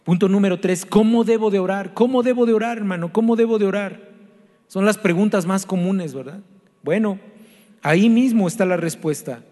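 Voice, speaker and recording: A man's voice: sits high, moderate pace. A man preaching a sermon as a pastor, earnest and pleading, repeating questions to his listeners. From Mexico. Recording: long reverb with soft music behind.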